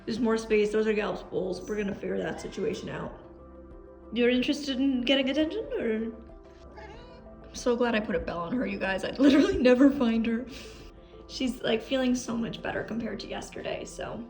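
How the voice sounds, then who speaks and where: A woman's voice: fairly high pitch, big pitch swings, fairly quick, gravelly, darkish tone, faint music behind. A woman in her twenties, from Canada, chatting casually in a vlog, full of "like" and "um" fillers. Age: 20s. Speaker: vlogger. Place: at home, then a furniture store.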